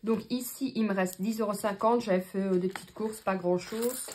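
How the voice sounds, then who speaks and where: A woman's voice: medium pitch, fairly even intonation, moderate pace, a little mellow, a little hiss or hum. Chatty French woman vlogger. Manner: chatty, with frequent fillers and asides to viewers. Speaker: budgeting vlogger. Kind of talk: casual talk to camera.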